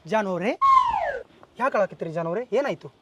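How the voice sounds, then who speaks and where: A man's voice: high voice, expressive, moderate pace, very noisy. An actor playing a cheeky, teasing young man in a comedy skit, speaking with a North Karnataka Kannada accent. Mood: playful. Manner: teasing, chatty.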